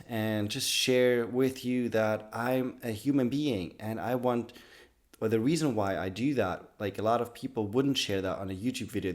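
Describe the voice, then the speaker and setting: A man with a slightly raspy voice from being sick, talking to camera in an earnest, loose way about personal growth. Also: mid-range voice, a little mellow. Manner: earnest, loose sentences with many restarts and "like". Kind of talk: casual talk to camera.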